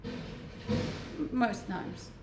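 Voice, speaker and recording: A woman's voice: very slow, over loud music. A woman with a Danish accent, chatting easily on a livestream from her rented home, reading out and answering viewer comments and laughing often. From Denmark. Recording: roomy echo.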